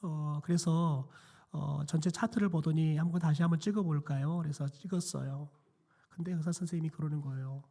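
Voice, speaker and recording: A middle-aged man, a pastor, preaching a quiet sermon in a church with a hoarse, nearly lost voice and many hesitant fillers. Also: on the high side, steady tone, brisk. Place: church sanctuary.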